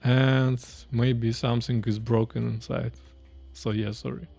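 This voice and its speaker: A man's voice: medium pitch, flat delivery, measured pace, vocal fry, mellow, highs cut off, faint music behind. A man, chatting casually while live-coding and thinking aloud on a stream from a small room. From Russia. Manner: thinking aloud, chatty, reading chat questions. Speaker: streamer, indie developer.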